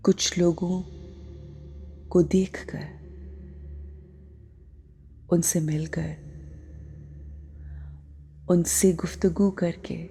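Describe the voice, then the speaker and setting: A woman guiding a spiritual meditation in a calm, deliberate manner, with short phrases, long pauses and soft, breathy phrase endings. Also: fairly low pitch, slight background noise. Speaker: guided meditation teacher. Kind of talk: slow spoken guided meditation with spiritual reflections. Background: meditation music.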